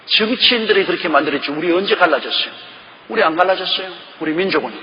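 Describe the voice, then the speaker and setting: Older pastor w/ preaching hard, lots of rhetorical questions, echoey church hall. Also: male voice, high voice, lively intonation, quick pace, lo-fi sound, slight background noise. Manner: emphatic, repeats key phrases, fires rhetorical questions. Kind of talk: sermon.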